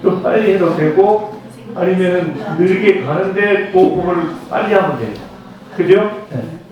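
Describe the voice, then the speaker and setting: An older man giving a conversational Buddhist lecture in a lecture room, now and then leading slow chants. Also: high voice, highs cut off. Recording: very echoey room, distant mic.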